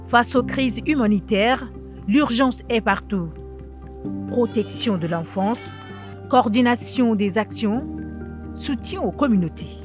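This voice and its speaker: A woman reading a measured, solemn documentary voice-over. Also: fairly high pitch. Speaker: narrator. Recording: music underneath.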